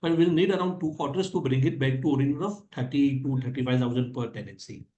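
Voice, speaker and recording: A man's voice: mid-range voice, quick pace, dark tone, dull audio. A man with an Indian accent, a company executive answering analyst questions on an earnings call in an explanatory way, repeating his points. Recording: echoey conference call audio.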